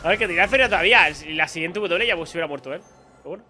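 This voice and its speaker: Excitable high-voiced gamer man. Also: rapid-fire, faint music behind. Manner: chatty and excitable, taunting enemies aloud. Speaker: gaming YouTuber. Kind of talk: live gameplay commentary.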